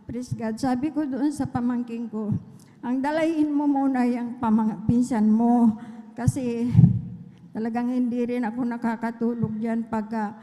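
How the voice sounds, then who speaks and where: A woman's voice: a little high, fairly even intonation, a little slow, warm tone. A middle-aged woman from the Philippines giving an earnest personal testimony at a church service, retelling conversations and breaking in with praise. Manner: earnest storytelling with many quoted exchanges and praise interjections. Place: church worship hall. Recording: long hall reverb.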